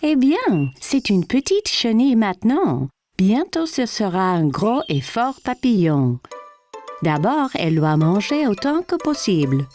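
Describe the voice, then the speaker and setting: A woman voicing a gentle, patient mother in a children's cartoon dub, explaining things simply to her child. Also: medium pitch, very animated, a little slow, soft background music. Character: gentle, patient young mother of a small boy.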